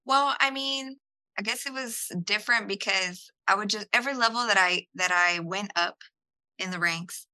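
A woman's voice: medium pitch, moderate pace, bright, forceful tone, dry recording. A woman guest on an interview podcast, answering in a chatty way with restarts and casual fillers. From El Salvador, raised in Houston.

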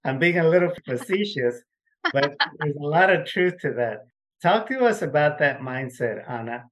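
A man hosting an interview podcast, opening with a formal, measured introduction before asking his guest questions. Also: on the high side, animated, fairly bright tone. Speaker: podcast host. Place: Texas.

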